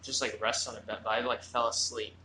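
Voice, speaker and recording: A comedian chatting casually in a laid-back way, often trailing off. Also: male voice, medium pitch, level tone, a little fast, bright, forceful tone, a little hiss or hum. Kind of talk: casual chat. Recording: roomy echo.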